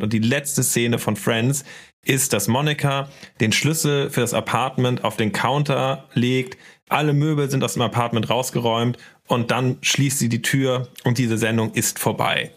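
A man's voice: mid-range voice, fairly even intonation, moderate pace. A man. He co-hosts a podcast in a casual storytelling style. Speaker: podcast co-host.

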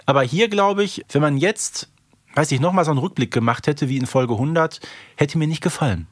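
Male podcast co-host, higher-medium everyday voice not required; conversational, colloquial reviewer, dry close-mic sound. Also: a little fast, no echo. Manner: colloquial, often ends phrases with tag questions. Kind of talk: casual review chat.

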